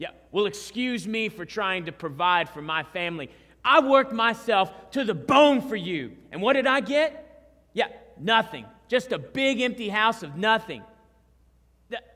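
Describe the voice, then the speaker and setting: The raised, projected voice has a bright, sharp tone and moves at a moderate pace, with big swings in loudness and long, frequent pauses against a quiet background. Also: man. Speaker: actor in a church drama sketch. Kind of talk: theatrical monologue. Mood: irritated, growing angry. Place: stage.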